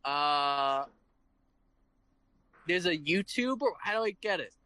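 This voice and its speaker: A man's voice: on the high side, lively intonation, slow pace, pushed and bright, dry recording, poor audio. A man co-hosting a casual chat show, rambling and swearing, often restarting his sentences. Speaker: podcast co-host.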